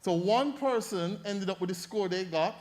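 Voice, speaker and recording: This is a high-voiced Jamaican man in middle age, sharing feedback from the judges' table. He talks in an animated, coaching way, often acting out voices to make his point. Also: moderate pace. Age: middle-aged. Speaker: debate judge. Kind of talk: feedback speech to an audience.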